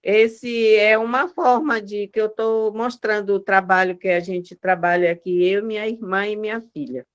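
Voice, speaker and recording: A woman's voice: medium pitch, steady tone, normal speed, hardly any pauses, smooth. A woman whose first language is Wanano, an indigenous artisan and shop owner from the Amazon, speaking proudly about her work over a video call with plain speech and short repeated starts. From Amazonas, Brazil.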